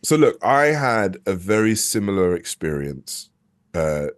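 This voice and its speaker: A man's voice: low-pitched, big pitch swings, measured pace. A young adult man, an actor interviewed as a guest, talking casually and candidly, often restarting his sentences as he thinks aloud. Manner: candid and reflective, with frequent restarts and hesitations.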